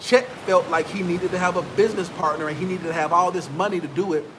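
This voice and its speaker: A man's voice: sits high, steady tone, fast, background noise. A man, giving motivational business advice straight to his viewers in a preachy, repetitive way. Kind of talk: motivational talk to camera.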